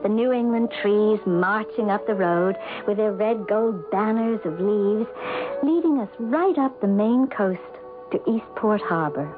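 A woman's voice: medium pitch, measured pace, close to an everyday voice. An actress playing an earnest, articulate married woman with an American accent in a radio drama. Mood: wistful. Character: earnest, wistful married woman house-hunting. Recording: tinny old radio broadcast. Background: music.

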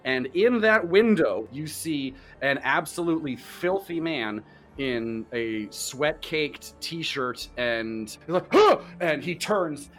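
A man's voice: a little high, fairly bright tone. A man narrating a sci-fi tabletop game as game master, setting scenes vividly in the second person. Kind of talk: tabletop role-play narration.

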